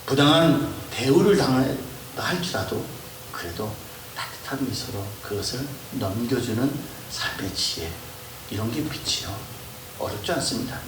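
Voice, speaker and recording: A middle-aged male pastor preaching a sermon, swinging between loud exhortation and soft hushed asides and acting out family voices. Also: medium pitch, big pitch swings, moderate pace. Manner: acts out scolding and kind family voices. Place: church hall. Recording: roomy, distant mic with background noise.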